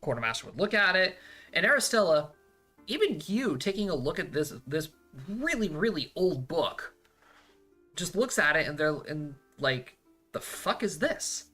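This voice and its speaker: A man's voice: a little high, big pitch swings, normal speed, pushed and bright, faint music behind. A man narrating a tabletop role-playing game as game master, casual and full of fillers and restarts as he thinks aloud.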